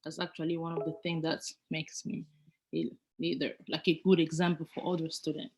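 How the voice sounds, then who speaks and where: A woman's voice: deep voice, flat delivery, a little fast, darkish tone, breathy edge. A young woman from the Democratic Republic of the Congo, speaking as a student ambassador on a panel, stopping now and then to find her English words. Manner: searches for English words, restarts phrases. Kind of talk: panel self-introduction.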